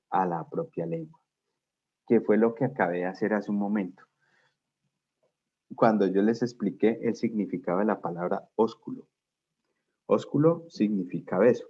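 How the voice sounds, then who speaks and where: The lecturer's voice is fairly low and slightly rough, captured in dull lo-fi audio. He explains his class material step by step, regularly pausing to ask students whether they follow.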